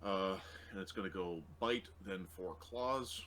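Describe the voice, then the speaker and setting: A man acting as game master of a tabletop roleplaying game, talking casually and haltingly as he works through rolls and numbers. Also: deep voice, a bit bright, slight background noise, low-quality recording. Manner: casual, halting while working out numbers aloud.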